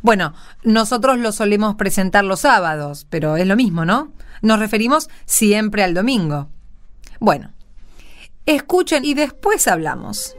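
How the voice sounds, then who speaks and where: A woman's voice: medium pitch, big pitch swings, unhurried. A woman casually introducing a program as its host.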